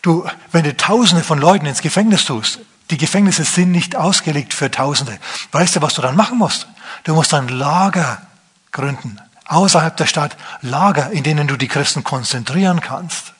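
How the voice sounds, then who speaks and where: A man preaching a sermon, animated, now and then mimicking complaining voices in a higher pitch. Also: moderate pace, husky.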